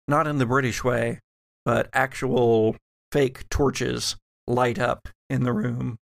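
A man runs a tabletop game as its game master, with plenty of fry in his voice. He narrates slowly and deliberately, leaving dramatic pauses. The sound is dry and close. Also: medium pitch, dry recording. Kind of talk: tabletop role-play narration.

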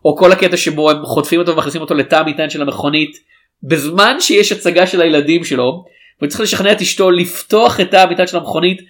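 Animated man chatting about films. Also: a little high. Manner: animated, rambling with restarts and "you know". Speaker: podcast co-host. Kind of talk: casual film review chat.

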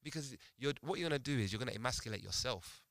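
A man's voice: mid-range voice, lively intonation, fast, fairly bright tone, no echo, studio quality. A young man, telling stories in casual, slangy street talk full of banter. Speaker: podcast participant. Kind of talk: animated casual banter and storytelling.

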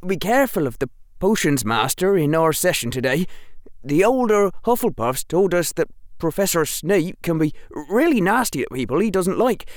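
A man voicing a nervous, well-meaning schoolboy who hurries through an anxious, hushed warning. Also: sits high, no echo, clean studio sound, voice pushed up.

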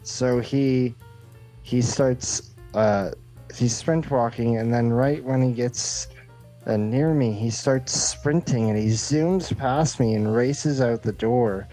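A man's voice: medium pitch, slow, mellow, soft background music, rough recording. A man hosting a podcast, telling a rambling, casual comic story and acting out the dialogue. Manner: rambling, acts out quoted dialogue. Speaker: podcast host.

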